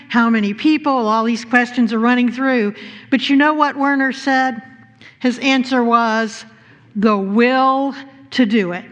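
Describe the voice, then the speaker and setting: A woman minister giving a sermon with stories, speaking deliberately with pauses and rhetorical questions. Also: a little high, fairly bright tone. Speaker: minister leading a service. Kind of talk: sermon with storytelling. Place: church sanctuary during a live service. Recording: echoey hall with long reverb.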